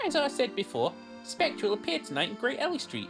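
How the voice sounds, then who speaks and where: In a put-on character voice, a man speaks very fast at a high pitch while clear music plays in the background. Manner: put-on imitation.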